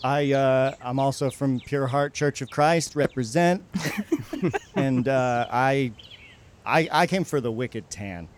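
An actor playing a joking, self-deprecating young church camper in an audio drama, casual and prone to restarts. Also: male voice, medium pitch, takes it slowly, close to an everyday voice. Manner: casual, jokey, stammering slightly over restarts. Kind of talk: naturalistic audio drama dialogue.

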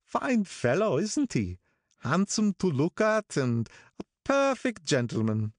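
High, strange-toned old gangster, slow and brooding, self-important, audiobook. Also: male voice, very animated, dry recording, studio quality, full character voice. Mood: self-satisfied. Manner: slow, brooding, drawn-out delivery. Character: older male gangster, gloomy, sentimental, self-important.

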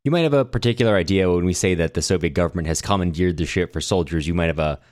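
A man's voice: sits low, quick pace, a little mellow, dry recording, studio quality. A man co-hosting a conversational book discussion, speaking in an articulate, explanatory and reflective way. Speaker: podcast co-host.

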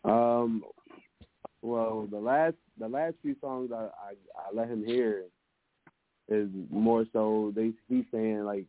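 Man, low deep voice, hesitant casual guest, phone-line sound. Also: takes it slowly. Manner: relaxed, hesitant, lots of fillers and restarts. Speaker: musician guest. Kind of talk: casual interview answers. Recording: dry, narrow phone-like sound.

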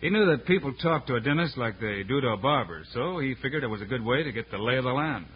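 An actor playing a steady frontier marshal in a 1950s radio western, speaking in a plain, assured way. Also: male voice, medium pitch, fast, slightly rough. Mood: explaining. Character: steady frontier marshal hero, calm leader. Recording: dull old radio transcription.

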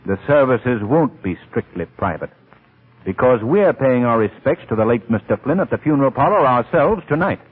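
An actor playing a suave, wry gentleman sleuth in an old-time radio drama, urbane and drily ironic, on a tinny old recording. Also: medium pitch, expressive, moderate pace, close to an everyday voice. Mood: puzzled, resolute.

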